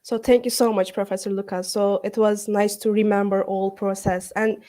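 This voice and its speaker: A woman's voice: mid-range voice, flat delivery, normal speed, warm tone. A woman moderating a panel debate, putting formal, prepared questions to her guests. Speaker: host, moderator.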